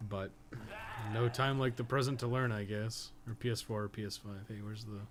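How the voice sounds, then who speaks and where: A man's voice: fairly low pitch, flat delivery, normal speed. A man giving casual live gameplay commentary, thinking aloud in a rambling, sweary way with jokey asides. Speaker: video game streamer, podcast co-host. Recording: clearly noisy background.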